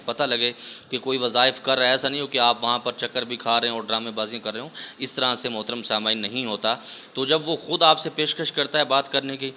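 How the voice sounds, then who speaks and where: A man's voice: mid-range voice, lo-fi sound. A man teaching viewers earnestly, a spiritual healer explaining how to treat a patient, speaking in an instructional religious talk. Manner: earnest, addresses listeners repeatedly as respected audience.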